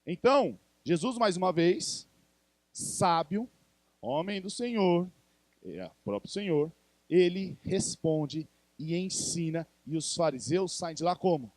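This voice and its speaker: A man's voice: a little high, animated, slow pace, no echo. A male pastor with a Brazilian Portuguese accent, preaching a conversational sermon in church and putting questions to the congregation.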